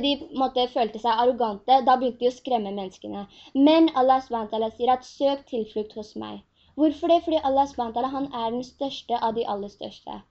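A woman's voice: high voice, darkish tone. A woman teaching a religious lesson in an earnest way, often posing rhetorical questions to her students. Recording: dull lo-fi recording.

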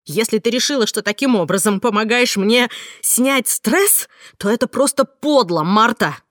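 A woman voicing a frightened young woman who shouts and sobs down the phone. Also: expressive, normal speed, no echo, studio quality. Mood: furious. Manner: shrill, shouting, near tears. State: sobbing.

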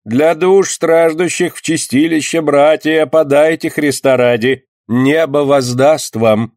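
A man voicing a solemn Capuchin friar who chants slow appeals for alms. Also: fairly high pitch, steady tone, a little mellow, no echo, clean studio sound, pitched above the performer's own voice.

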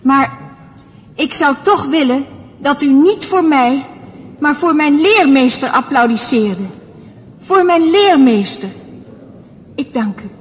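An actress playing an earnest, grateful blind young musician, giving a formal, measured speech in a radio play. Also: female voice, sits high, expressive. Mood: earnest, solemn. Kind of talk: Dutch radio drama acting, addressing a concert audience. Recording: reverberant hall, faint crowd and noise.

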